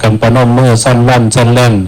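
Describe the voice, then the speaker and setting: A man, an abbot with an Isan accent, preaching at a village merit-making ceremony, telling stories in a lively way and acting out the voices of the people in them. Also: medium pitch, fast, rough recording. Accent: Isan (northeastern Thai). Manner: lively storyteller acting out quoted voices, calls for blessing. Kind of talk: storytelling folk sermon.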